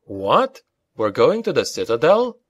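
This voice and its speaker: A man's voice: mid-range voice, wildly swooping pitch, measured pace, a bit bright, husky, pitched above the performer's own voice, full character voice. A man voicing an earnest, questioning companion in an audiobook. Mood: uncertain.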